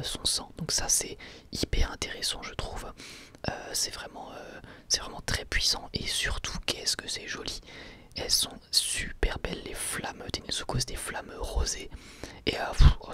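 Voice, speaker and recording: A man hosting an ASMR anime review in a breathy, unvoiced whisper, with halting, hesitant phrasing. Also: mid-range voice, a bit bright. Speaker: host of an anime review channel.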